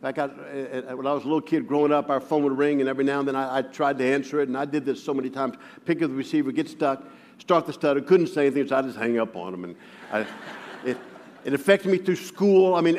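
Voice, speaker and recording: A man preaching, stuttering and repeating his words as he goes. His voice sits a little high for a man, and his self-mocking humor keeps breaking through. The sound carries the long reverb of a large church hall. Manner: self-deprecating humor, chuckling as he talks. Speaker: guest preacher. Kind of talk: sermon with personal storytelling. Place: church sanctuary.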